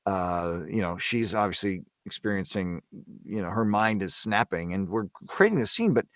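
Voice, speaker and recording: A man talking casually and thoughtfully about voice acting, pausing to search for his words. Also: lowish voice, animated, a bit bright, dry recording, studio quality. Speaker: voice actor on a horror audio drama. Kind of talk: casual behind-the-scenes discussion.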